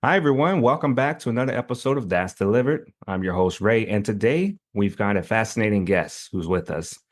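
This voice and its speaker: A man's voice: on the low side, fairly quick. A male podcast host who welcomes his guest and asks loose, friendly questions, often stumbling over his words. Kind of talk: casual interview.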